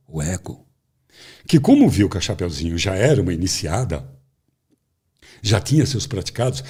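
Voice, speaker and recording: A man, an interview guest who tells a spiritual parable in an animated way. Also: lowish voice, breathy edge. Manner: animated storyteller, acts out voices. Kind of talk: spiritual storytelling talk.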